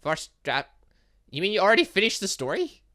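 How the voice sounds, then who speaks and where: A man's voice: high voice, wildly swooping pitch, fairly quick, bright, forceful tone, pitched above the performer's own voice, exaggerated voice. A man voicing an awkward, earnest, bewildered young male student in a visual novel game, hesitant and flustered. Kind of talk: visual novel game dialogue read aloud.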